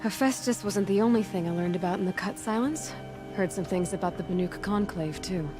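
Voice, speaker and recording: A woman's voice: medium pitch, fairly quick, over music, lightly acted. A young woman playing a headstrong, frank tribal huntress in a video game, dry and direct. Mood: wry, challenging. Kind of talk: video game cutscene dialogue.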